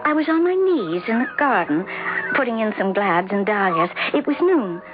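A woman's voice: mid-range voice, very animated, moderate pace, noisy background, lightly acted. A woman playing an anxious, earnest, troubled wife who narrates her story in a hesitant, emotive 1970s radio drama style. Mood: wistful narration. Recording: dull radio broadcast over music.

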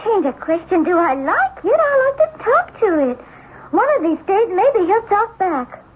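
An actress playing a resentful, uneducated servant woman in a radio drama, with rough, uncultured diction. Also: very high voice, sing-song, measured pace, narrow, tinny audio, full character voice. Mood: defiant. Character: resentful uneducated servant woman, muttering threats, cowed by her master. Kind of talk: old-time radio drama acting. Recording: band-limited 1970s radio recording.

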